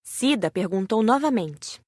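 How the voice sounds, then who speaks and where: A woman's voice: mid-range voice, lively intonation, a little slow, darkish tone, no echo, studio quality. A woman reading scripted first-person narration for an audiobook.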